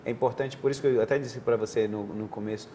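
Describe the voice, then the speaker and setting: Surgeon explaining in plain terms. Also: male voice, mid-range voice, fairly even intonation, fast, dark tone, slight background noise. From Northeastern Brazil. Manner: didactic, conversational, frequent restarts. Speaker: head and neck surgeon, guest. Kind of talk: explanatory interview answers. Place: TV studio desk.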